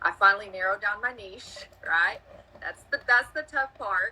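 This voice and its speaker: A woman's fairly high voice with a Texas accent. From West Texas. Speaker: social media coach. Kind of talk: interview.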